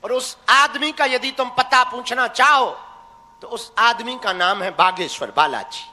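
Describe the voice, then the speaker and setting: High, bright-voiced folksy preacher man. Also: unhurried. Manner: teasing, folksy, exhorting. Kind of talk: live religious discourse to a crowd. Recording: echoey hall reverb.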